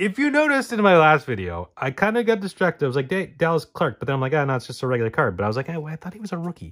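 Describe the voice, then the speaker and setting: Very fast speech from a man, with very wide pitch swings and a quiet background. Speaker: card collector vlogger. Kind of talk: casual vlog chat.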